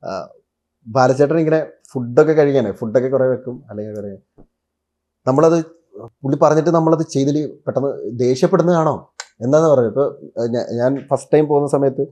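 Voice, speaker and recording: A man's voice: mid-range voice, moderate pace, dark tone. A mid-voiced man with a Malayali accent, the entertainer guest swapping anecdotes on a Kerala web interview. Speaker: mimicry artist, interview guest. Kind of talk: casual anecdotal chat.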